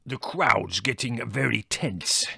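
A gruff, burly storybook driver with a slow, mangled broken English, put on by a man narrator. The sound is close and dry, without room echo. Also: medium pitch, pushed and bright, exaggerated voice.

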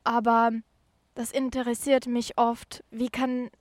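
High-voiced, slow-speaking woman. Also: level tone, no room sound. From Ukraine. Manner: halting, careful non-native phrasing. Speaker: podcast guest, career mentoring volunteer. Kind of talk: interview answers.

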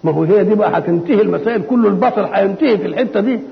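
An older man with an Egyptian accent gives a conversational Quran commentary, asking and answering his own questions and reciting verses slowly and solemnly. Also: high voice, creaky. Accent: Egyptian Arabic. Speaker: Islamic scholar giving Quran commentary. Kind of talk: colloquial Quran exegesis lecture. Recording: dull lo-fi recording with long hall reverb.

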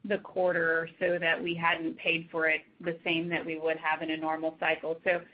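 A woman executive answering questions on an earnings call in a measured, matter-of-fact manner. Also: low-pitched, completely flat delivery. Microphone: conference call. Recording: dull, lo-fi conference call line.

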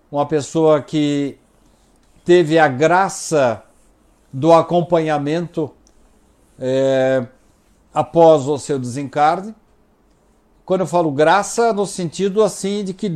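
A man answering viewers' questions on a talk show, speaking in a measured, halting way and often repeating words while he thinks. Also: a little high, a little mellow.

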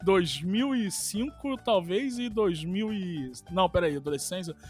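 A Brazilian man in his thirties co-hosting a podcast in casual chat, joking, swearing and excitable. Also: sits high, measured pace, faint music behind. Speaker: podcast co-host.

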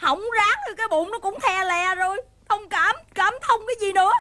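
An actress with a Southern Vietnamese accent playing a sharp-tongued, stubborn wife in a comic radio play, scolding and mock-threatening. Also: female voice, extremely high pitch, a little fast.

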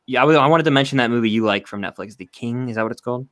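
A man's voice: mid-range voice, very fast, fairly bright tone, no echo. A young man co-hosting a podcast in casual chat, rambling and hedging with frequent "like". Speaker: podcast co-host.

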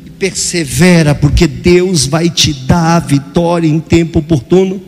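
An older man preaching a sermon as pastor, dramatic, acting out voices and sometimes shouting. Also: fairly high pitch, measured pace, breathy edge, in a large hall, soft background music.

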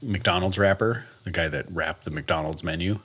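A man hosting a podcast in casual chat, joking and animated, laughing often. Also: low-pitched, normal speed, husky. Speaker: podcast host.

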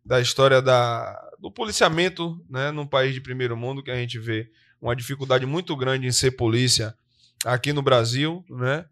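A man co-hosting a live podcast, a police soldier, talking in a lively, chatty way and often tagging his sentences with questions. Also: mid-range voice, moderate pace. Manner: lively, talkative, often tags "né?".

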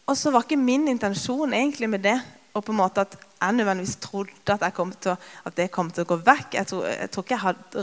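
A woman in her thirties preaches in a relaxed, conversational way, often pausing on filler sounds. She grows lively when retelling moments from daily life. Her voice carries the long reverb of a large church hall. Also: mid-range voice. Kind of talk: sermon with personal stories.

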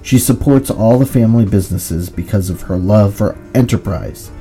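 A man's voice: lowish voice, normal speed, dark tone, soft background music. A man hosting an interview show, formally reading out the guest introductions before asking his questions. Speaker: host.

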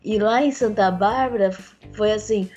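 A woman whose voice is still a little rough, telling her own story in an earnest, halting way with many restarts. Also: medium pitch, darkish tone, dull audio, soft background music. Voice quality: voice still rough since a tracheostomy. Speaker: interviewee. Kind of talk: personal account in a conversation.

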